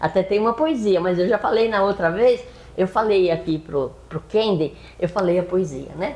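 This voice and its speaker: Amid noticeable background noise, a woman with medium pitch talks at a moderate pace with lively intonation. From interior of São Paulo state, Brazil (Tatuí). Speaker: poet. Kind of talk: interview. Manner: halting, with many fillers and repetitions.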